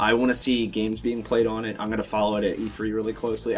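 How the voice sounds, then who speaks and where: A man speaks at a very fast pace with an American accent, his pitch fairly low. Music plays in the background. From US Northeast, Pennsylvania. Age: 20s. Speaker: gaming show host. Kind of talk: casual chat.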